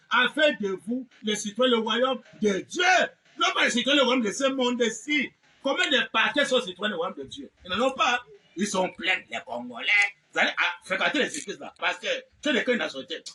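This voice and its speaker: A man preacher delivering a fervent sermon, shouting and calling out repeated amens. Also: extremely high pitch, normal speed. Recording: distant mic with faint background noise.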